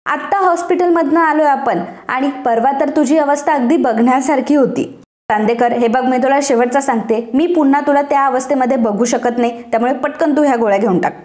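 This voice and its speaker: A woman's voice: high-pitched, fairly quick, a little mellow, natural voice. A woman voicing a bossy but caring young wife who scolds and gives orders. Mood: scolding. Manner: scolding, commanding.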